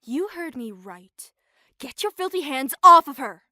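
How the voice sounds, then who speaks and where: A bright, high-voiced young woman, played by a voice actress, feisty and outspoken as a shop cashier in an audio drama. She scolds with defiant emphasis, recorded close and dry. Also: very animated, a little slow, no echo, full character voice. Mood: angry, defiant.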